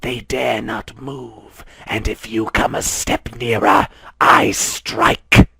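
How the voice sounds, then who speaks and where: A man voicing a vengeful mother king cobra in a storybook reading, with a hissing, drawn-out whisper. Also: medium pitch, steady tone, sharp tone, no echo, exaggerated voice. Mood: gloating. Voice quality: raspy, gravelly.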